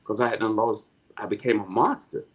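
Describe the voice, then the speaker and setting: A man's voice: fairly low pitch, a little fast, muffled recording. A man, a podcast guest, telling his life story as a personal testimony, acting out what others said. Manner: storytelling, acting out quoted voices.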